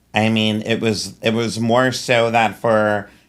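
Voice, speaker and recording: Medium-pitched man's voice with a strong New York accent. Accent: thick New York. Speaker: event producer, nightclub owner. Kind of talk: podcast interview answer. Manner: loud, playful.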